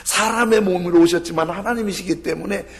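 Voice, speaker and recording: Gravelly-voiced male pastor preaching. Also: sits high, brisk, slight background noise. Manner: animated storytelling, acts out voices of biblical figures. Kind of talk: sermon. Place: church.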